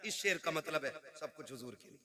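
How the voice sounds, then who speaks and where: A man's voice: on the high side, lively intonation, brisk. A man preaching at a religious gathering, joking with the crowd and leading their responses, then chanting a long lineage. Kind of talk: sermon with crowd call-and-response. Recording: crowd noise from a live gathering.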